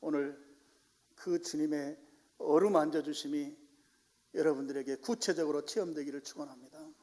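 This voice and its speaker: Brief: male pastor, high voice, dramatic sermon, loud to whispered, big church reverb. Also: moderate pace. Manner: dramatic, swinging from loud exclamations to hushed whispers. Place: church sanctuary.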